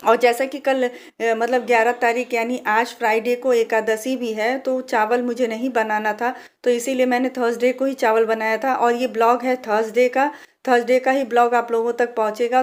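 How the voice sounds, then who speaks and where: A woman from India, chatting with viewers in a casual home cooking and cleaning vlog from her kitchen. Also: fairly high pitch. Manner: chatty, addresses viewers directly, frequent restarts. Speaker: vlogger.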